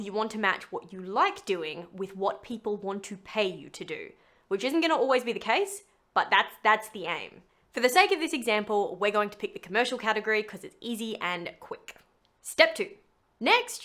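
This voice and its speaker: A woman presents a scripted tutorial in a medium-pitched voice. She is chatty and leans on her key words, with a self-deprecating streak of humour. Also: a bit bright. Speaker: voice actor teaching how to make a demo reel. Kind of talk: scripted tutorial narration to camera.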